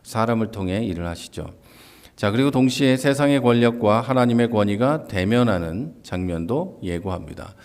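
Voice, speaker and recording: A man's voice: lowish voice, animated, normal speed. A man giving a church Bible class lecture, explaining step by step and acting out quoted lines in a livelier voice. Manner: explains step by step, often starting a point with "자".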